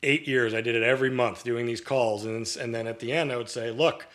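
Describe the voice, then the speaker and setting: A man's voice: medium pitch, fairly even intonation, fairly quick, a bit bright. A man as a podcast guest, a real estate broker, giving a long-winded answer full of stories and restarts. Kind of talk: casual podcast interview.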